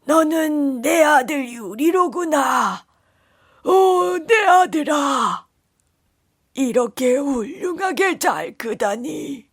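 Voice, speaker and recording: A performer voicing an old, ailing king and loving father with solemn, drawn-out, emotional delivery. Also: high voice, animated, fairly bright tone, no room sound, studio quality, voice pushed up, full character voice. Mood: overjoyed.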